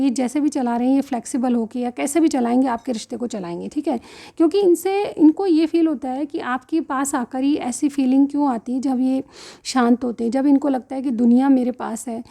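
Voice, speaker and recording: High-pitched woman reading tarot. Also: gravelly, warm tone. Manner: rambling, repeats 'theek hai' as filler. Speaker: tarot reader. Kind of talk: casual spoken reading to viewers.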